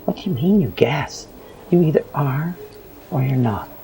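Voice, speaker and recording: An actor playing a cynical, fearful newsroom worker in an audio drama, cautioning and lecturing in a hushed manner. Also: male voice, fairly high pitch, animated, moderate pace, slight background noise. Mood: tense, warning. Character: cynical, fearful male newsroom worker who obeys management.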